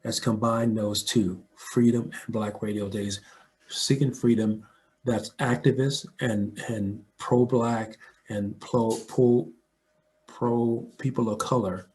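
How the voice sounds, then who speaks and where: A man's voice: medium pitch, steady tone, slow pace, darkish tone, low-quality recording. An older American man talking reflectively in a conversational interview, telling stories and often checking in with the listener. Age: older, 60s or above. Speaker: audio dramatist and filmmaker, interview guest.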